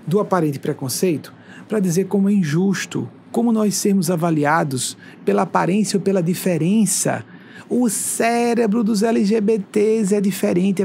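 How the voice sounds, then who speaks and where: A man's voice: high-pitched, creaky, a little hiss or hum. A man in his forties from northeastern Brazil, talking to his viewers in a conversational monologue and acting out quoted dialogue as he tells stories. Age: 40s. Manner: lively storytelling that acts out quoted dialogue. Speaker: spiritual speaker addressing viewers.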